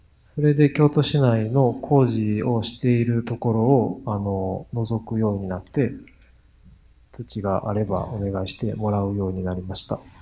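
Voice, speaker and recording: This man moves at a fairly quick pace, sounding somewhat breathy, with ordinary pitch variation. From Japan, Kyoto (Gojozaka); Japan. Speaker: potter; lecturer. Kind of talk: presentation with interpreter; lecture. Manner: halting with many fillers. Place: hall.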